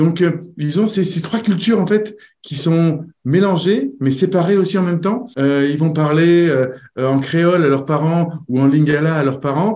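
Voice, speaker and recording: A man's high-pitched, dark and mellow voice, fairly slow with ordinary pitch variation, with audible room echo. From France. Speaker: francophone community activist. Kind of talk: interview conversation. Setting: video call.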